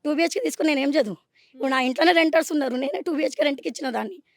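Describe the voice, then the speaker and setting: A woman's voice: high voice, no echo, studio quality. A woman with a Telangana Telugu accent, a resident in a street interview, speaking angrily and firing off demanding questions. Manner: angry, rapid, demanding questions. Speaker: resident facing eviction.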